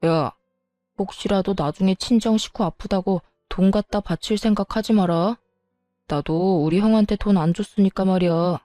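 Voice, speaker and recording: A woman's voice: medium pitch, moderate pace, warm tone, no room sound, studio quality, soft background music, natural voice. A woman voicing a cold, stingy young husband who lectures his wife dismissively. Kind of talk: storytelling dialogue.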